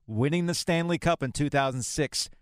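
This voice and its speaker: A man's voice: fairly high pitch, moderate pace, clean tone, no room sound, clean studio sound. A man hosting a sports podcast, narrating a scripted story about local sports.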